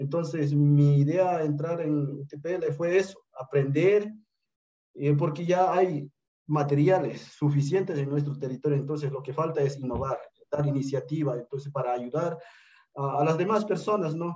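A man's fairly high, somewhat breathy voice with a dark, mellow tone, fairly even intonation and a fairly slow pace against a quiet background. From Ecuador, Pastaza Amazon region; Ecuador. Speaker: student. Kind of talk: testimony. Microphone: video call.

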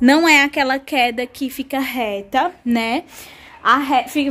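A woman's high voice at a very slow pace. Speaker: homeowner vlogger. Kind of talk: casual vlog chat. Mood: excited, emotional. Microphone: phone near.

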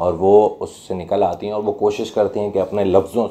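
A man talks at a moderate pace in a dark, mellow tone with monotone, flat intonation. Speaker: book reviewer. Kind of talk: book review monologue. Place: home room.

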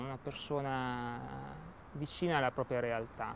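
The pitch varies in an ordinary way, with light background noise behind the voice. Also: man, dry sound with no echo. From northern Italy, Brianza (Lombardy); Lombardy, Italy. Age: 40s. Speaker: deacon and care worker. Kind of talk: interview. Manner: halting. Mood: calm, reflective, hesitant. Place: garden.

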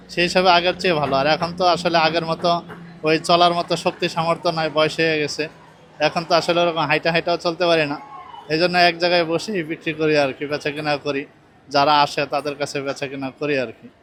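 A man's fairly high-pitched voice carries fairly even intonation over noticeable background noise. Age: 50s. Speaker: blind street shopkeeper. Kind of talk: interview testimony.

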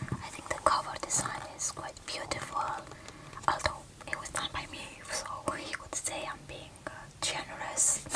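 A woman whispers at a moderate pace with long, frequent pauses. Noticeable background noise runs underneath. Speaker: independent author. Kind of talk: casual talk to camera. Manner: whispered.

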